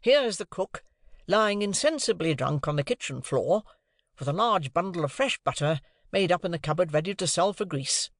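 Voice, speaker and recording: A man reading an audiobook, voicing a mild, despairing middle-aged gentleman tutor who speaks in a weary, plaintive way. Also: medium pitch, animated, normal speed, no room sound, clean studio sound, pitched above the performer's own voice, lightly acted. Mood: dismayed.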